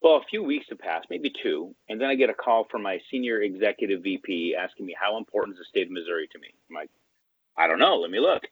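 Husky low man on a tinny line. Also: fast talker, no echo. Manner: animated, acts out quoted dialogue. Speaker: interview guest. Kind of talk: casual storytelling. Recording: tinny phone-line sound, dry.

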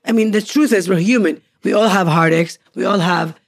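A woman's voice: medium pitch, moderate pace. Earnest upbeat woman co-hosting a podcast. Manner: earnest and upbeat, builds points in lists. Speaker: podcast co-host. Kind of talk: casual couple's podcast chat.

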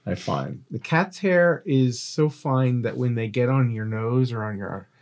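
A man's voice: mid-range voice, animated, measured pace, darkish tone. A man co-hosting a podcast, chatting casually and agreeably, often chiming in. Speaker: podcast co-host. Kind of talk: casual chat.

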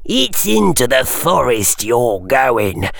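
A cruel old caretaker gloats over his prisoners in a storybook, as a man reading puts him on. He drawls slowly and nastily, with a cackle never far off. His voice grinds with gravel. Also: medium pitch, very animated, fairly bright tone, no room sound, studio quality, heavily acted. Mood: gloating. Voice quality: cackling, nasty.

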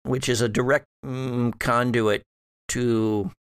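A man playing a wry, scheming, scholarly old ancestor back from death in a tabletop horror game, speaking haltingly and formally. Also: medium pitch, fairly even intonation, smooth, dry recording, clean studio sound, lightly acted. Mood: pondering, scheming. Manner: halting, deliberate, formal phrasing. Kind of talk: improvised tabletop horror roleplay.

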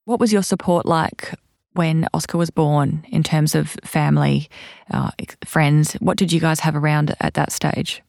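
A woman interviewer with a low, gravelly voice. She asks calm, gently probing questions about family life. The sound is dry. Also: a little slow, no echo.

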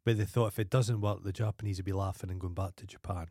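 A Scottish man with a lowish voice rambles through profane, meandering stories, now and then breaking into loud mock singing. His voice sits dry and close on a studio mic. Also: fairly even intonation, fast talker, dry recording. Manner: rambling, sweary storytelling with wild sung outbursts. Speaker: podcast co-host. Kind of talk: casual profane banter.

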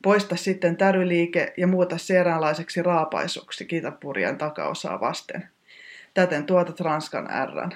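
A teacher giving a scripted pronunciation lesson in a precise, technical, instructive manner. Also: mid-range voice.

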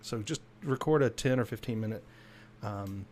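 A man's voice: lowish voice, moderate pace, a little mellow, slight background noise. A man co-hosting a casual tech podcast, upbeat and coaxing, repeating himself as he urges listeners on. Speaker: podcast co-host.

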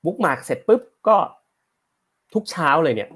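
A man's voice: on the high side, sing-song, measured pace, a bit bright, husky. A man hosting a casual live stream about stocks, chatting with viewers and explaining news headlines, slightly short of breath. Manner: chatty, rambling, reads headlines aloud and explains them. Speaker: host of a stock market live show.

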